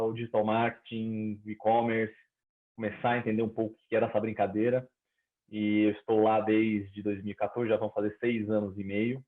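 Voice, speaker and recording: Man on a tinny, phone-like call. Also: fairly low pitch. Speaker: panelist, e-commerce executive. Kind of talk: self-introduction on a webinar panel. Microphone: video call.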